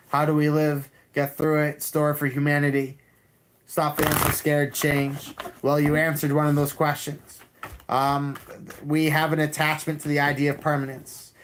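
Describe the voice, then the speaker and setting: Male tarot streamer, calm and level delivery, repeats lines, restarts often. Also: on the high side, slight background noise. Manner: calm, repetitive, with many restarts. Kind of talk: live-stream tarot reading and chat.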